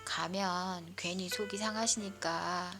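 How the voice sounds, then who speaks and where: A woman's voice: on the low side, fairly even intonation, takes it slowly, music in the background. A woman voicing a busy adult grandchild in an audio story, pleading and reasoning with concern. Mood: patient pleading. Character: busy, patient adult grandchild Minsu, soothing then worried.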